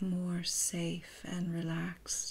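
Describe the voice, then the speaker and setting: A soft-spoken woman talks at a very slow pace. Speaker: meditation teacher. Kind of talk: guided meditation. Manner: slow, soft-spoken. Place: home room. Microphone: phone near.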